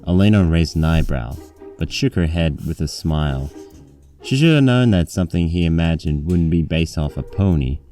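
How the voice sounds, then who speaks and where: A man's voice: sits low, lively intonation, moderate pace, mellow, soft background music. A man reading a scripted story aloud as its narrator.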